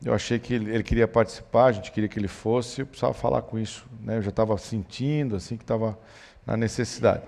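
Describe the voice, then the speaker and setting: A man's voice: on the low side, fast, creaky. A man, a pastor telling a family story in a church talk on parenting. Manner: storytelling, animated when quoting his son.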